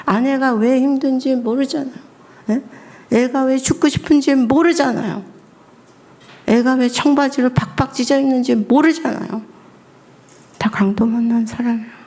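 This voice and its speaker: A woman's voice: sits high, moderate pace, long pauses. A middle-aged woman missionary preaching at a Friday prayer meeting, asking the congregation questions. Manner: lively, asks the congregation questions. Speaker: missionary and family counselor.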